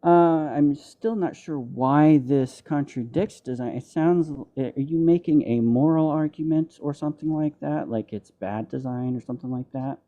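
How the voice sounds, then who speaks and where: A man's voice: on the high side, normal speed, few pauses. A man arguing his side in a live online debate, heard over a muffled phone or headset mic on a call, pressing his points with frequent ums and restarts. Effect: muffled remote call mic, sounds underwater. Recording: muffled, dull lo-fi call audio.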